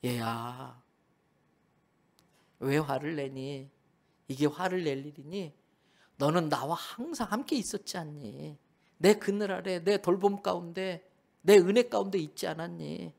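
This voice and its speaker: A man voicing a gentle older father who coaxes his angry son in a soft, slow manner. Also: on the high side, creaky. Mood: tender pleading.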